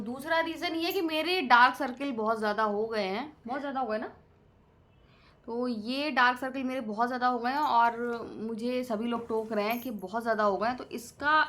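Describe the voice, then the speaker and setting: A woman in her thirties chats through a family vlog, wandering from topic to topic with plenty of fillers. Her voice sits a little high. She sounds easy and homely, as if talking to regular viewers. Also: brisk, fairly bright tone. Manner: chatty, rambling with many fillers. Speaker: vlogger. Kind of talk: casual family vlog talk.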